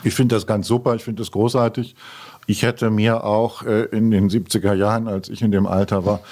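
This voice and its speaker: Blunt older man, deep and dark. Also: level tone, moderate pace. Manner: blunt and outspoken, many hesitations. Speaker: film distributor. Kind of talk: interview answers.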